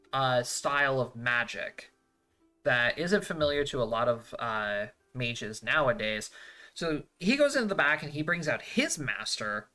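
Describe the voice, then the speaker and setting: A man's voice: on the high side, pushed and bright. A man narrating a tabletop role-playing game as game master, casual and full of fillers and restarts as he thinks aloud.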